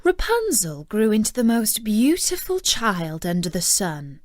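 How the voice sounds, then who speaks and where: A woman's voice: mid-range voice, huge pitch swings, a little slow, dry recording, studio quality. A woman narrating a fairy tale as a storyteller reading from a script.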